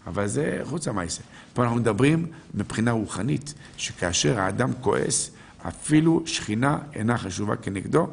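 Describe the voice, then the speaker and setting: A man's voice: medium pitch, expressive, gravelly. A man, a rabbi, giving a live sermon, posing rhetorical questions to his listeners and answering them, quoting verses and sages.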